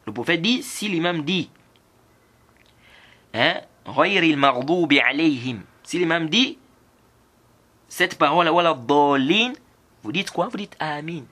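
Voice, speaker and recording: An Islamic teacher gives a lesson on prayer, explaining in French and reciting hadith in Arabic in between, asking rhetorical questions he answers himself and interjecting approving Arabic words between points. His voice is on the high side, expressive and bright, with a forceful tone. He speaks at normal speed with long pauses.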